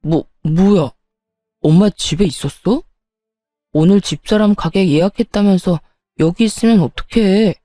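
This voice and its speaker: A woman's voice: mid-range voice, a little slow, warm tone, no echo, clean studio sound, faint music behind, lightly acted. A woman voicing a worried, exasperated young husband in a narrated story, speaking in a flustered, scolding way.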